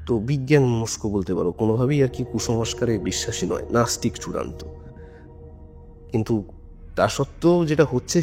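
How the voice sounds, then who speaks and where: A man with a mid-range, darkish voice tells a story informally and conversationally, building suspense as on a ghost story podcast. Background music plays under his voice.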